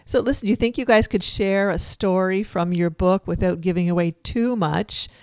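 A woman co-hosting a casual interview podcast, frank and enthusiastic, with lots of quick affirmations. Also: mid-range voice, darkish tone, clean tone, no echo. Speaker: podcast co-host.

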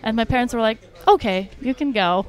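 A woman's voice: fairly high pitch, fairly quick, some chatter behind, low-quality recording. A woman from Russia who grew up speaking Russian, a podcast guest talking openly and frankly in casual chat. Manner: open, frank, talks freely with many likes and you knows.

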